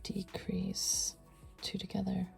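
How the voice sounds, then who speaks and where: A woman with a stuffy nose teaching a crochet tutorial, counting stitches aloud and often sinking to a soft near-whisper. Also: mid-range voice, completely flat delivery, takes it slowly, creaky, faint music behind. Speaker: crochet instructor. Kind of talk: step-by-step craft tutorial.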